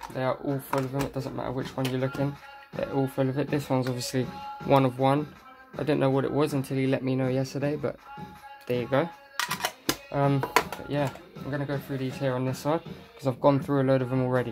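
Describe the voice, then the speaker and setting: Clear music plays in the background while the speaker goes at a very fast pace. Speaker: card collector channel host. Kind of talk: casual vlog chat. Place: home room. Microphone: phone near.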